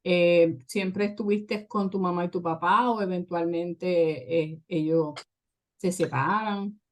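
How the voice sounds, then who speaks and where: A woman's voice: fairly low pitch, steady tone, slow pace. Christian show host woman, filler-heavy. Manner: chatty, filler-heavy, says "¿verdad?" often.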